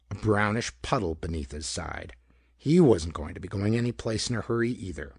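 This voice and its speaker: A man reading a pulp detective story aloud as scripted narration, with a slightly rough voice and dramatic, expressive delivery. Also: on the low side, no room sound, clean studio sound. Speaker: audiobook narrator.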